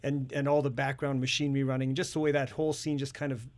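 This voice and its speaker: A man in a relaxed studio conversation about production work. His voice sits at a middle pitch and he speaks conversationally. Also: quick pace. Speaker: radio drama sound producer. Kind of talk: casual studio chat.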